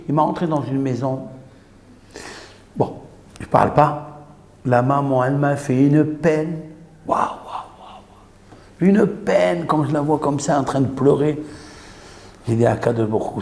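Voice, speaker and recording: A man, a rabbi, recounting a story in an animated teaching style, mixing in Hebrew terms. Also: on the high side. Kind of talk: storytelling Torah lesson. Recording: echoey room with faint noise.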